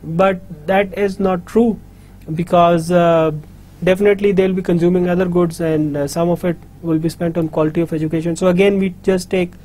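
A middle-aged university lecturer with a South Asian accent, a native Urdu speaker, explains a diagram while drawing it in an indoor studio. His voice is high and dark, with fairly even intonation and a moderate pace, and his delivery is somewhat hesitant. The recording quality is low.

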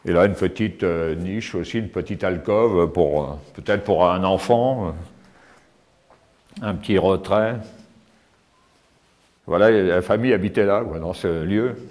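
An older man giving a casual tour of his cave home, talking with many pauses and fillers, recorded on a camera mic as he moves around. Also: low voice, a little mellow. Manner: hesitant, many fillers and restarts. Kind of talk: casual spoken house tour. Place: inside stone cave rooms and outdoors by cliffs.

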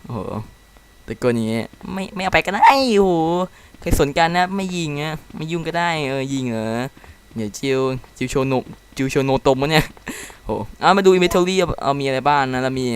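A man giving casual commentary while playing a game. He reacts excitedly and reads the dialogue aloud. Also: mid-range voice, slight background noise. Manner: chatty, explains controls to viewers. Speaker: game let's-play commentator.

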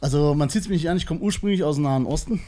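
A man's voice: on the high side, rapid-fire, mellow, a little hiss or hum. A man from southern Thuringia with a slight East German accent, a comedian guest joking and laughing often in casual podcast chat in a small studio. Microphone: desk mic with headphones.

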